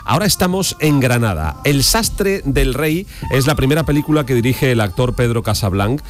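A man hosting a radio show, relaxed and conversational as he throws questions to a reporter. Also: medium pitch, normal speed, faint music behind. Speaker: host.

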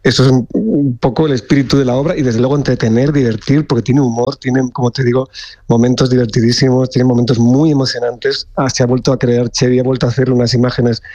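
A man, a theatre director, explaining his play in a steady way during an interview. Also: mid-range voice, fast, no echo, muffled recording. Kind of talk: radio interview.

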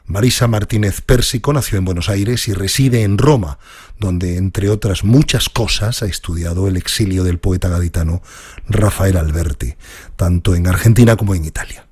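A man hosting a formal interview, reading a polished introduction and asking measured questions. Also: low-pitched, darkish tone, breathy edge, no room sound, clean studio sound. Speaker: interviewer host.

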